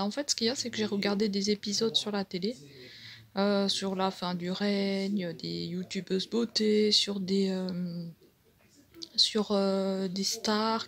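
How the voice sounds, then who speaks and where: A woman in her thirties vlogging casually from home, rambling with lots of hesitations, recorded on a phone's microphone. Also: mid-range voice. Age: 30s. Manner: rambling, hesitant, full of fillers and restarts. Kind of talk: casual vlog chat to camera.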